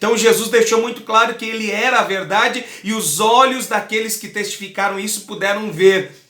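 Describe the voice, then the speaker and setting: In a Curitiba accent, a man talks with fairly even intonation amid audible room echo. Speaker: pastor. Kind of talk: bible study teaching. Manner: conversational, with filler words.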